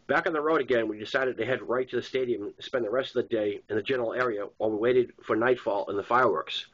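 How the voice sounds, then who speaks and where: A medium-pitched male voice with a breathy edge and a Boston accent reads aloud from his own first-person novel. The delivery is plain, with occasional stumbles, and the audio is dull and lo-fi.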